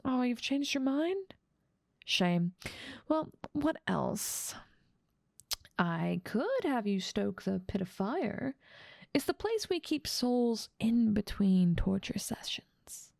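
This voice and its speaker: A dominant demon ruler of hell, acted by a woman, speaks in an ASMR roleplay with a creaky edge to her voice. She is teasing and condescending, with playful menace, and the recording is close and dry. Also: on the high side, sing-song, takes it slowly, darkish tone, dry recording, full character voice. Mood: sly, casual. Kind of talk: ASMR roleplay audio drama.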